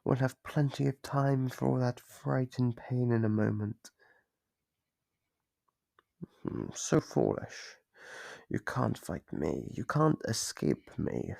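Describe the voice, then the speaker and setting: A man voicing a playful, sadistic monster from under the bed in an ASMR roleplay, gravelly and breathy, savoring his slow, mock-gentle taunts. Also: mid-range voice, no room sound. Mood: mocking menace. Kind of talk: ASMR roleplay, scripted monologue. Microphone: close microphone.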